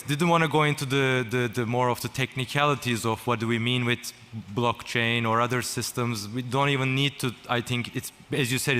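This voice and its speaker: A man from Turkey speaking as a panel guest at a conference, slow and halting with many ums and restarts. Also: mid-range voice, bright, forceful tone. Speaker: panel guest, company founder. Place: conference stage. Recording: large hall with faint noise.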